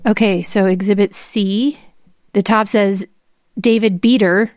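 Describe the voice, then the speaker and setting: A woman hosts a podcast, reading formal legal material aloud. Her pitch is average for a woman, and she drops in brief asides. The sound is dry and free of room echo. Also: fairly even intonation, unhurried, darkish tone. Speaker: podcast host. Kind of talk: dramatic reading of legal documents.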